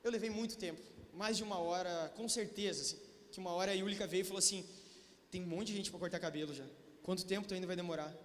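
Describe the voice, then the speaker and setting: A young man preaches in a reverberant church hall. His voice sits very high for a man. He moves between hushed storytelling and loud, fervent exhortation. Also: fast, slight background noise. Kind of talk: sermon with storytelling.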